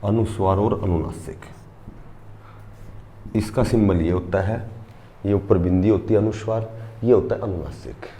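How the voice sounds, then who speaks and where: A middle-aged male teacher giving an exam-prep grammar lesson, repeating key terms slowly so students can write them down. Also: lowish voice, dark tone.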